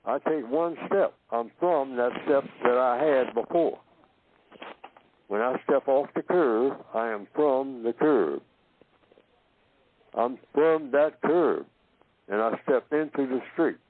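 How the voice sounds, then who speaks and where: A man from Oklahoma giving a slow philosophical talk, asking himself questions and answering them, and repeating phrases to build his point. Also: mid-range voice, lively intonation, a little hiss or hum. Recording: tinny phone-line audio.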